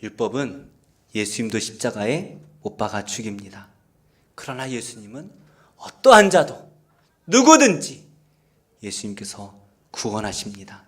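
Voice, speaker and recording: A man preaching a Sunday sermon as pastor, in an earnest, pleading way that swings between loud stressed phrases and hushed near-whispers. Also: fairly low pitch, big pitch swings, unhurried, long pauses. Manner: earnest, pleading appeals to listeners. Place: church service.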